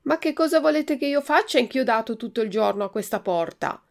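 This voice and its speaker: Woman doing a whiny puppet kid, high and pushy, bit gravelly. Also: animated, a little fast. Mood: pleading. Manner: pleading, urgent. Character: impatient, cold wooden puppet boy.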